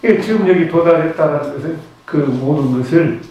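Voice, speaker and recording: An older man giving a conversational Buddhist lecture in a lecture room, now and then leading slow chants. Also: on the high side, mellow, muffled recording, slight background noise. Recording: very echoey room, distant mic.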